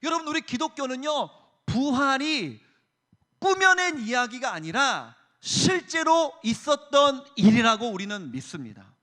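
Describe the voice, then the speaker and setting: A man in his thirties, a youth pastor giving a lively sermon to high school students and acting out story voices as he tells them. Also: unhurried. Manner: animated storyteller, acts out voices.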